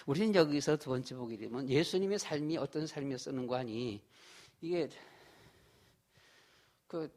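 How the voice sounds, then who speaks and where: A man's voice: medium pitch, moderate pace, long pauses, darkish tone. A middle-aged man, a pastor, preaching a Sunday sermon in a church in a folksy, repetitive way. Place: church sanctuary.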